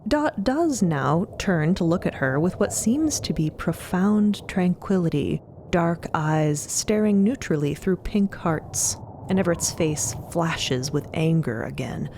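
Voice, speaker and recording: A woman narrating scripted audio fiction in a deliberate, descriptive, dramatic style. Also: fairly low pitch, animated, mellow, a little hiss or hum, rough recording.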